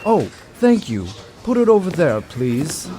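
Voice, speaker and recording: A man's voice: a little high, big pitch swings, measured pace, dark tone, soft background music. A man playing a busy, worn-down hospital doctor in an amateur audio drama, speaking politely and a little formally. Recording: noisy home recording.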